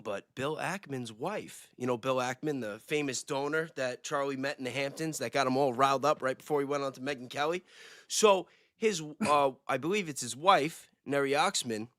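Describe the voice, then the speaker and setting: The recording is dry and studio-clean: a man with a medium-pitched, slightly bright voice speaking at normal speed. As a livestream guest describing himself as an independent investigator, he speculates in a loose, slangy, informal way.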